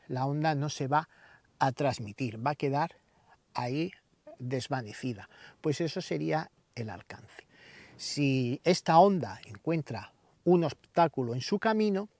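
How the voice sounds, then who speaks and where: A man's voice: fairly high pitch, no echo. Spanish man explaining, in a dry recording. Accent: Spanish from Spain. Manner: didactic, explains with everyday examples. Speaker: video channel host. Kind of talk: informal explainer to camera.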